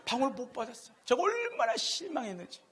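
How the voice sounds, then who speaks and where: Animated, husky-voiced Korean pastor. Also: male voice, very high voice, fast talker. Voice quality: loud voice. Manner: animated, swings from loud to hushed, laughing at himself. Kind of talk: sermon with personal storytelling. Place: church sanctuary.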